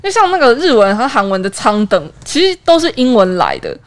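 Woman co-host, quick talker, explains words, lots of yeah right. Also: a little high, very animated. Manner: explanatory, answers with quick agreements. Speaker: co-host, translator. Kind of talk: casual chat.

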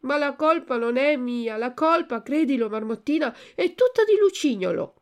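A woman's voice: sits high, lively intonation, moderate pace, voice pushed up. A woman voicing a frightened wooden puppet boy in a storybook reading, pleading and wailing. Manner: wailing, pleading, rising to cries.

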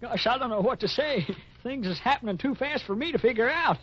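An actor playing a folksy, flustered, lovestruck cowhand with a Western drawl in a 1950s radio western comedy. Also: male voice, very high voice, expressive, fairly quick, a bit bright, slightly rough, heavily acted. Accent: American Western drawl. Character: lovestruck, simple, excitable old-time cowhand Windy. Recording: dull old radio recording.

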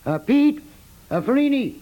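Laconic, sentimental American contractor, high-pitched and mellow, folksy 1950s radio comedy. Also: male voice, very animated, normal speed. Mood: resigned. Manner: laconic, folksy, drops words, guilt-tripping. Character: stolid, folksy building contractor, sentimental about birds.

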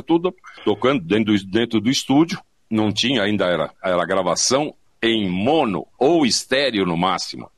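With a fairly low-pitched voice and no echo, this older Brazilian from São Paulo chats as a guest in a remote online conversation, drawing on his career in advertising audio and voice work. His anecdotes are casual and animated, full of acted-out quotes and phrases repeated for emphasis.

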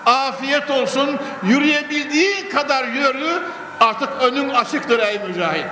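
A man's voice: very high-pitched, measured pace. An older man preaching a sermon at a pulpit microphone, with an emphatic, oratorical delivery that repeats phrases and moves into recitation. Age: 60s or older. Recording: echoey hall with long reverb, clear noise.

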